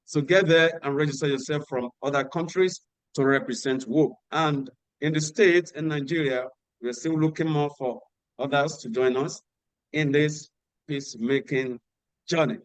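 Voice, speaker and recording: A man hosting an online workshop on a video call, giving instructions and repeating key details slowly. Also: on the high side, steady tone, no echo, poor audio. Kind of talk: announcements at an online meeting.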